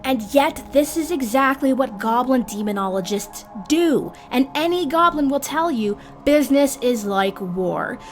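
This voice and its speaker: A woman hosting a guide series, reading scripted narration in a measured, theatrical manner with formal phrasing. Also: sits high, lively intonation, soft background music. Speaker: host of a roleplay guide series.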